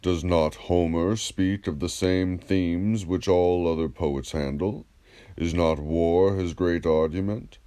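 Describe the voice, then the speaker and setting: A man's voice: low voice, fairly even intonation, dark tone. A man voicing a wise, courteous philosopher who questions patiently and methodically in an audiobook dialogue. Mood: methodical reasoning. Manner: measured, polite, methodical questioning.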